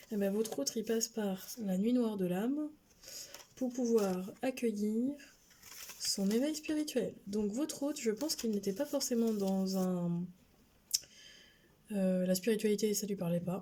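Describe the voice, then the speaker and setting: A soft-spoken woman mumbles at a fairly slow pace in a fairly high voice, leaving long, frequent pauses. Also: ordinary pitch variation. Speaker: tarot card reader. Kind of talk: tarot reading video. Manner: soft-spoken, mumbling; hesitant.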